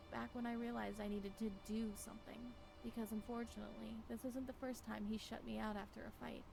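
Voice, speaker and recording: Woman acting a wistful, creaky-voiced weary wife. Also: fairly high pitch, low-quality recording. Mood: anxious, pleading. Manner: wistful, melancholy. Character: weary, anxious wife clinging to a broken relationship. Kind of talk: visual novel voice acting, introspective monologue. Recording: music behind the voice. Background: music.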